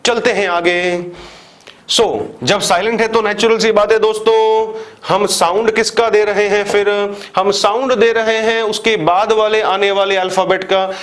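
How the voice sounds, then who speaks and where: A man's voice: sits high, steady tone, measured pace, a bit bright. A man with an Indian accent teaching a grammar lesson for exam students, asking questions and answering them himself, repeating examples step by step. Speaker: English teacher for exam prep. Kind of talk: classroom lecture.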